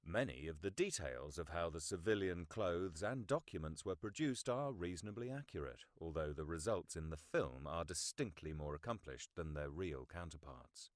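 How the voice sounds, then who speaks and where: A middle-aged man narrates nonfiction with a low-pitched voice and very varied intonation. His delivery is formal, articulate and measured. The sound is close and dry, with hardly any room in it. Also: animated, no room sound. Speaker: audiobook narrator. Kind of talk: scripted nonfiction audiobook narration.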